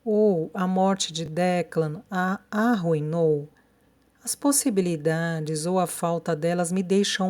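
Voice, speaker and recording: Narradora brasileira de voz grave e quente. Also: female voice, on the low side, darkish tone. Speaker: audiobook narrator. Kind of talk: scripted audiobook narration.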